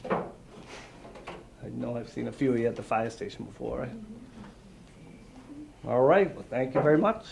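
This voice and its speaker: A man's voice: mid-range voice, lively intonation, normal speed, gravelly, long pauses. A man reading a picture book aloud to children as a firefighter, with casual asides and simple explanations. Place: room with a small audience of children. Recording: noisy live room recording.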